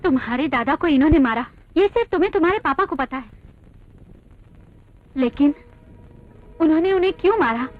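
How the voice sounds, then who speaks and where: An actress dubbing a wise elder sister-in-law who speaks earnestly and persuasively. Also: female voice, sits high, animated, fairly quick, long pauses, a little hiss or hum. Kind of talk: Hindi film dubbing. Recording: tinny narrow film audio.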